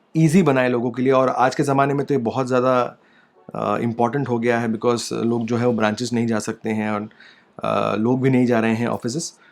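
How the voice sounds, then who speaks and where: A medium-pitched male voice at a moderate pace with fairly even intonation. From India, Mumbai. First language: Tamil (speaking Hindi). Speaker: YouTuber and vlogger. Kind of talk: casual Q&A chat.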